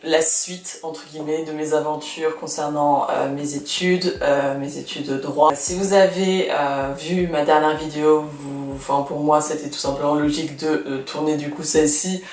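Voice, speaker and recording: A woman's voice: low voice, fairly even intonation, normal speed, hardly any pauses, a little mellow, reverberant, distant mic. A woman in her twenties, born in Canada, chatting in a vlog with many fillers and restarts while losing her voice. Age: 20s. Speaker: law student vlogger. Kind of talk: casual vlog chat.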